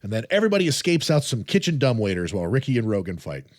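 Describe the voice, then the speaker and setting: Male podcast host, mid-pitched, casual plot recapper, dry close mic. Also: rapid-fire, dry recording. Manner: steady recapping with frequent "uh" and laughs.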